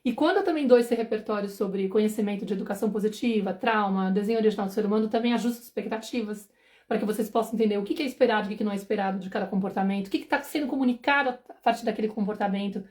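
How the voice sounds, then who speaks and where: A woman in her forties, a parenting mentor, giving a casual live talk, fast and conversational, often checking "understood?" and acting out anxious inner thoughts. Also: mid-range voice, a little mellow. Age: 40s.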